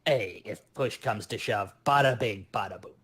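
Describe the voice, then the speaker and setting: A man voicing a cocky, wisecracking goblin demolitionist with a husky voice and brash streetwise patter in a tabletop game. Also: fairly low pitch, moderate pace, fairly bright tone, voice pushed down. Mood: wry, cocky.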